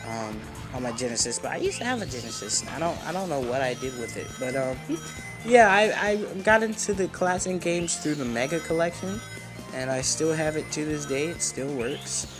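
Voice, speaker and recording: A young man hosts a let's play in a loose, informal way. He rambles casually, as if chatting to friends, while game music plays clearly underneath. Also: a little high, animated, moderate pace. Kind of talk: casual gameplay commentary.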